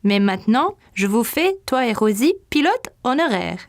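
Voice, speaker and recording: A woman's voice: on the high side, very animated, normal speed. A woman voicing a friendly airline pilot in a children's cartoon, with an announcing tone.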